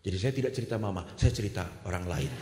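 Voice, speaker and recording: A man's voice: on the low side, rapid-fire, roomy sound, big-room sound, heavy background noise. A male Catholic priest giving a sermon, telling humorous stories and acting out the dialogue. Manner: humorous storytelling, acts out dialogue.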